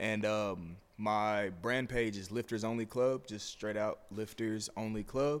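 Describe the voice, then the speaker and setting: Fairly low in pitch, this man has an unremarkable speaking voice. His intonation is fairly even and his pace fairly slow. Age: 20s. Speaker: entrepreneur and fitness expert. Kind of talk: interview answers. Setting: live at theater.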